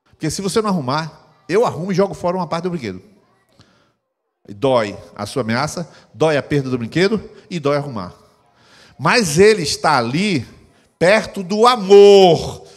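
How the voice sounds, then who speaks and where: Animated Brazilian pastor preaching in an echoey hall. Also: male voice, fairly high pitch. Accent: Brazilian Portuguese. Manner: emphatic, animated preaching with sudden loud bursts. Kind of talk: sermon.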